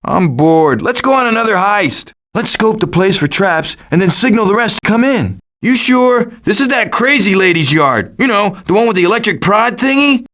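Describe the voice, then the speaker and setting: A man voicing a glib, sarcastic, scheming raccoon who leads a gang of food thieves in an animated video game. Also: sits high, moderate pace, hardly any pauses. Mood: sarcastic, casual. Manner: glib, sarcastic, cocky quipping.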